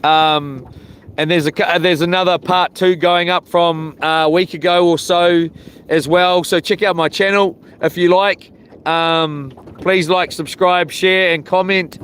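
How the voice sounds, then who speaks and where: On a small boat outdoors, a man speaking with a broad New Zealand accent runs a fishing livestream, rambling in a relaxed, chatty manner. His high-pitched voice has a fairly bright tone and fairly even intonation, at a measured pace, with clear boat and water sounds around him.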